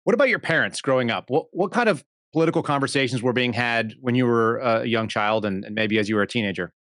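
A man hosts a political podcast, brash and casual, rattling through an ad read. He talks fast, in a mid-range voice. The sound is dry and close. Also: medium pitch, a bit bright, no echo. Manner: brash, casual, punchy ad reads. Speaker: podcast host. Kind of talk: podcast monologue and interview.

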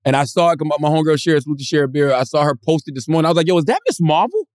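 A man co-hosting a podcast in casual chat, animated and slangy, often laughing. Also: a little high, very fast, no echo, studio quality. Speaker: podcast co-host.

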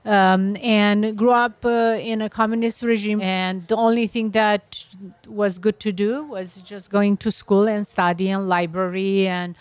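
A woman's voice: medium pitch, level tone, clear, resonant tone, dry recording. Romanian-accented woman telling her story. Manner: earnest, halting, many restarts. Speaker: guest, beauty entrepreneur. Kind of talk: interview storytelling.

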